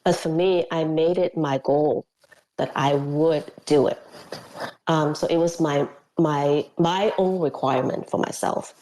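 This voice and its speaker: Lively woman guest. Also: deep voice, unhurried, poor audio. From Hong Kong. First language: Cantonese. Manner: animated, acts out quotes, laughs often, frequent fillers. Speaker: guest, former missionary. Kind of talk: casual interview storytelling.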